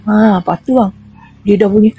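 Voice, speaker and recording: A woman with a Terengganu Malay accent, a guest telling a true horror experience in casual, animated style and acting out sounds and quoted voices. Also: medium pitch, moderate pace, a little hiss or hum. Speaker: guest recounting a spirit healing.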